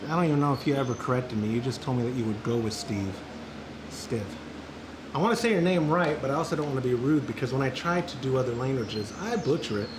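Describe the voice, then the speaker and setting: A man from Central Texas, hosting a homebrew live stream in a chatty, joking, rambling way while he brews. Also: fairly high pitch. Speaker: homebrew show host. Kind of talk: casual live-stream chat while brewing. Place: brewing area with flies around. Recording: echoey with loud background noise.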